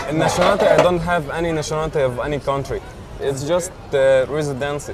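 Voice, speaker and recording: A man's fairly high voice at a very fast pace, with fairly even intonation, audible room echo and noticeable background noise. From Jerusalem, Israel. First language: Arabic. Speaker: lawyer. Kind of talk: interview.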